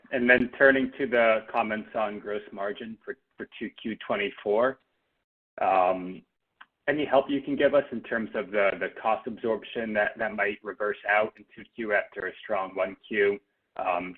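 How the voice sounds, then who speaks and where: A man's voice: lowish voice, steady tone, normal speed. A man asking polite business questions as a financial analyst on an earnings call. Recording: rough narrow phone line.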